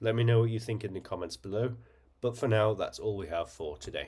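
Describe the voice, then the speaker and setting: His pitch sits fairly low. This man's voice comes across somewhat breathy. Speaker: language educator YouTuber. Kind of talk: scripted educational narration. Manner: clear, explanatory.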